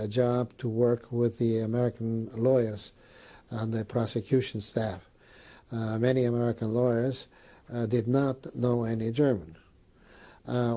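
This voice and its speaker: A man in his seventies, born in Greece, recalling his life in an oral history interview, with many pauses and fillers. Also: medium pitch, dark tone. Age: 70s.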